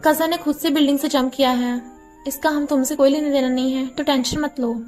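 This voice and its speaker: A woman narrator voicing a rich young male CEO, calm and reassuring, with faint music underneath. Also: high voice, a little fast, lightly acted.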